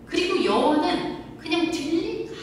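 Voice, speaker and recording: A woman's voice: very high-pitched, very animated, moderate pace. A woman pastor preaching a sermon, telling the story with animation and asking the congregation questions. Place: church sanctuary. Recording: echoey hall from far off, faint room noise.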